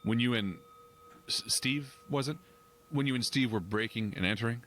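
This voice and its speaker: An actor playing a dry-witted police officer who answers in a deadpan, wry way. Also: male voice, mid-range voice, moderate pace, natural voice. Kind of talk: audio drama acting.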